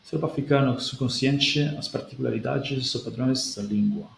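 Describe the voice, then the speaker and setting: A male host of a language-learning video, a non-native Portuguese speaker whose accent leans European Portuguese, reads out a viewer comment and answers it casually. His gravelly voice is medium-pitched at normal speed, and he thinks aloud with restarts. He's recorded in an echoey room with faint background noise.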